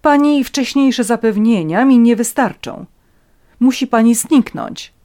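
A woman's voice: medium pitch, lively intonation, unhurried, a little mellow. A woman voicing a haughty aristocratic countess who speaks with cold contempt. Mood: contemptuous.

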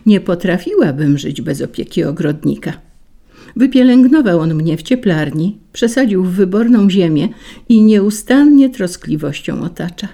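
A woman's voice: fairly low pitch, warm tone. A woman voicing a proud, pampered lady flower in a storybook fable, haughty and self-satisfied. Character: proud foreign lady flower, grateful to gardener.

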